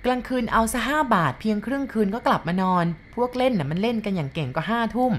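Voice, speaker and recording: A hard-nosed middle-aged food vendor who runs things like a gang boss, talking people into deals, as a woman reader puts her on. The voice sits noticeably higher than an ordinary speaking voice, pushy and persuasive. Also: sing-song, fast, slight background noise. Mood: coaxing.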